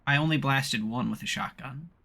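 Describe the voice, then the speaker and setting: A man's voice: mid-range voice, normal speed, vocal fry, noisy background. A man playing and co-hosting in a gaming series, giving blunt, dry, sweary casual commentary to a friend. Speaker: player and co-host of a gaming let's play series.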